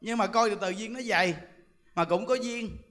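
A man's voice: high-pitched, moderate pace, fairly bright tone. A man with a Southern Vietnamese accent, a Buddhist monk giving a humorous Dharma talk, chatty and joking as he tells stories and laughs often. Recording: long hall reverb.

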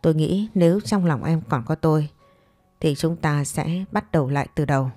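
A proud, composed man speaks in a measured, mellow tone, played by a woman storyteller. It is fireside storytelling of a romance, coolly matter-of-fact, with quiet music underneath. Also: low-pitched, no room sound. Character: composed, proud man coolly rejecting his former girlfriend.

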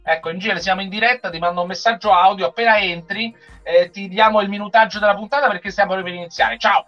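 A man's voice: sits high, steady tone, fast talker. A middle-aged man hosting a casual watch-along on a video call, chatting and joking. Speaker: host of a group livestream. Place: room at home. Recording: dull compressed stream, music behind.

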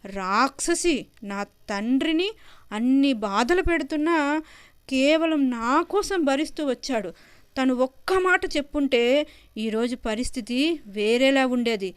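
An enraged grown son shouts and denounces his wife, his voice smooth and fairly high, as a woman voices him in a storybook. It is recorded close and dry. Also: moderate pace, no room sound, close to an everyday voice. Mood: furious. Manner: furious shouting, then remorseful. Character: angry, grief-stricken grown son.

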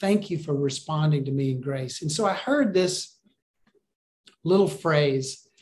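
Pastor, male, fairly high voice, earnest and encouraging, preaching on a webcam. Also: a little slow, a little mellow. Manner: earnest, encouraging, asks the listeners questions. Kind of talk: sermon over a video call. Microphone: video call webcam.

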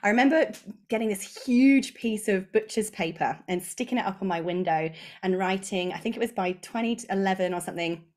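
A woman's voice: mid-range voice, brisk, darkish tone. An enthusiastic woman in her thirties with an English accent, chatting as a guest on a podcast over a video call from her home office. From England. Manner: bubbly, enthusiastic, gestures a lot. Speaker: guest, course creator. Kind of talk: casual podcast interview. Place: home office with bookshelves, indoors.

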